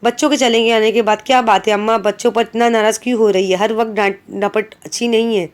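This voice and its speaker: A woman reading aloud as a gentle aunt who pleads with the grandmother and soothes the girls. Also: on the high side, steady tone, quick pace, natural voice. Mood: pleading.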